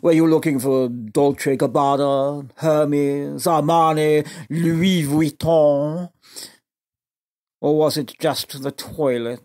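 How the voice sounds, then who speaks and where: A man's voice: a little high, fairly even intonation, slow, darkish tone. An actor playing a condescending male shop assistant who talks in a pompous, sneering way in a comedy radio drama. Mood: haughty.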